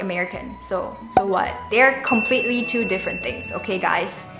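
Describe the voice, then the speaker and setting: A young Indonesian woman with a medium-pitched voice chats casually to camera in a YouTube vlog. She's informal, saying "like" often and giggling a little. The room has a roomy echo, and music plays behind her voice.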